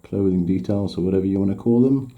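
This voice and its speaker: A man's voice: low-pitched, quick pace, phone-quality sound. A man whose first language is Swedish, talking through a miniature painting tutorial in English, hesitant and stopping to correct himself as he works. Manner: hesitant, restarts while working.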